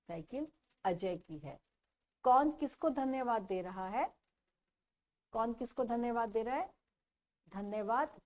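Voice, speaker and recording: A woman teaching a children's textbook lesson, repeating each question and answer slowly for young pupils. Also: on the high side, a little mellow.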